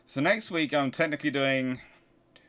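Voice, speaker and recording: Medium in pitch, with a pushed, bright sound, this man speaks at a moderate pace. He is hosting a livestream, chatting casually with viewers and answering their questions, frequently repeating words when he starts phrases over.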